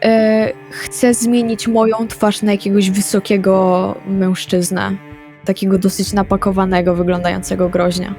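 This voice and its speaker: A woman's voice: medium pitch, flat delivery, unhurried, a little mellow. A woman taking part in a tabletop role-playing game as a player, stating her actions and discussing rules. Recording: background music under the voice. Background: music.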